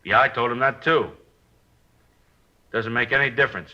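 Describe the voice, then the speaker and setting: An actor playing a surly, suspicious jewel fence in an old-time radio crime drama. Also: male voice, mid-range voice, normal speed, close to an everyday voice. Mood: harried. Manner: grudging, wary. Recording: dull vintage radio recording.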